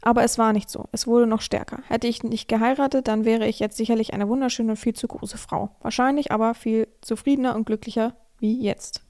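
A hoarse woman hosting a podcast, talking frankly in a casual monologue and reading a listener's letter aloud. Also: fairly high pitch, steady tone, brisk, few pauses, mellow. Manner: frank, advising listeners directly. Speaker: podcast host.

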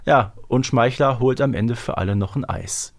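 Male co-host, middle pitch, chatty fan-talk style, tags remarks with little questions. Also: moderate pace, gravelly. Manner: chatty, seeks agreement with tag questions. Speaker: podcast co-host. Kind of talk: casual fan discussion of an audio drama.

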